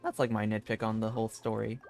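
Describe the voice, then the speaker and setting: A man giving casual gameplay commentary as a streamer, rambling and thinking aloud in a halting way. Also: fairly low pitch, little pitch movement, gravelly, a little mellow, soft background music. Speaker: video game streamer.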